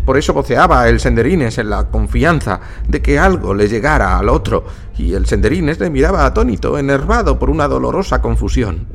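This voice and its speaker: A man narrating a story in an expressive, dramatic reading style. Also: mid-range voice.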